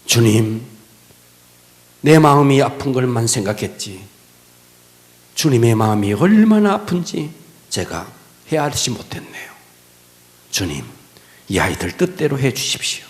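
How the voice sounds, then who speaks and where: A man's voice: mid-range voice, very animated, measured pace, pauses often. A man voicing a desperate mother of five who pleads tearfully in prayer. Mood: hushed pleading.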